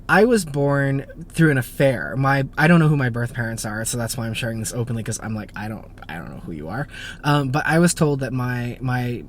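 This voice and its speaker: A man's voice: mid-range voice, slight background noise. A man in his thirties, born in Japan and raised in the United States, hosting a casual Q&A with lots of fillers and self-deprecating asides. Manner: chatty, self-deprecating, many fillers and restarts. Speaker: YouTube car channel host. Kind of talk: casual Q&A to camera.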